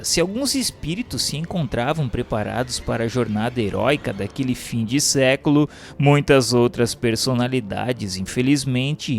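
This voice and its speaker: Male narrator, Brazilian accent, grave and formal radio-drama storytelling with animated, declamatory pitch swings over a music bed. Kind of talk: solemn scripted radio narration of spiritist history.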